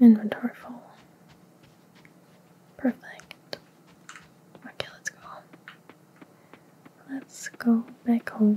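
Soft-spoken and very slow, a woman talks with long, frequent pauses. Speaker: ASMR gaming streamer. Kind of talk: ASMR gameplay commentary, casual talk while playing. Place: home room.

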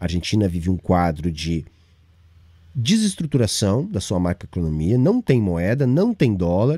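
At a fairly slow pace and fairly low pitch, a man talks with a dark, mellow tone and lively intonation, the sound dry with no echo and the background quiet. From southern Brazil, Rio Grande do Sul. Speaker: political commentator, livestreamer. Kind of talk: livestream political commentary. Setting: livestream. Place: home room. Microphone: studio mic.

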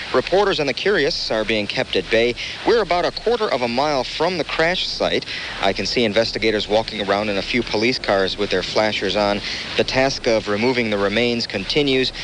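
Speaking fairly quickly in a serious tone, a man uses lively intonation over noticeable background noise. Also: medium pitch for a man, dry sound with no echo. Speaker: radio news reporter. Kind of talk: 1980s radio news report, on-scene. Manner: clipped, serious, scripted-sounding. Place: street. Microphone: old recording.

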